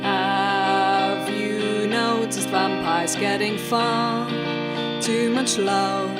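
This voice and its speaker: A woman's voice: medium pitch, fairly even intonation, drawn-out words. A woman singing a comic narrative song to guitar accompaniment. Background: acoustic or plucked guitar music.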